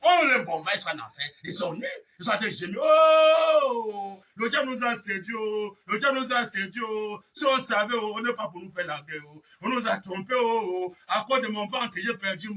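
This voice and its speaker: A man preaching a fiery sermon, shouting refrains and dropping to low mutters, with chanting, repeated phrases. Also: expressive, normal speed. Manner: shouts refrains, swings between loud cries and low mutters. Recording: voice heard from a distance from the mic.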